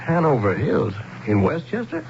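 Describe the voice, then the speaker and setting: An American actor playing a bewildered, impatient married commuter stranded in a strange town, in 1970s radio drama style. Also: male voice, fairly high pitch, wildly swooping pitch, moderate pace, gravelly, darkish tone, a little hiss or hum, full character voice. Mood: exasperated. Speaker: protagonist narrator in a radio drama. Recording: dull vintage radio recording with music.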